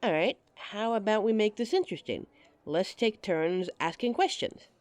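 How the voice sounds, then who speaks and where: A woman's voice: mid-range voice, lively intonation, moderate pace, darkish tone, dry recording, lightly acted. A woman playing a giggly, teasing date. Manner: teasing and giggly, laughs often. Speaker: voice actress in an audio roleplay. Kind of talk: audio roleplay addressing the listener as a date.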